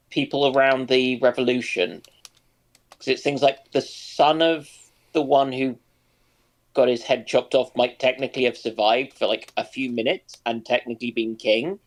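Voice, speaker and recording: Male panelist, medium pitch, casual and discursive, feels his way through each point. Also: steady tone, a little slow. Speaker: panelist on a history live stream.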